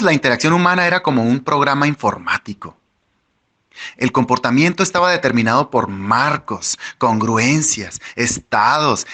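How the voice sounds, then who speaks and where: A man reading a first-person audiobook with wry, lively storytelling. His voice is bright and forward, at an ordinary male pitch. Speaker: audiobook narrator.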